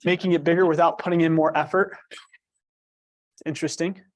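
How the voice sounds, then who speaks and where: A man presenting to a room of agents, his voice quiet and a little high. He often pauses to ask the audience questions, recorded dry and close. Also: flat delivery, no room sound. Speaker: trainer. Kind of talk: workshop presentation.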